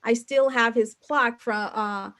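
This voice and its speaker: A woman's voice: fairly high pitch, steady tone, a little slow, a bit bright. A woman from Bangladesh, a council candidate and attorney, answering interview questions earnestly over a video call and listing names and groups one by one.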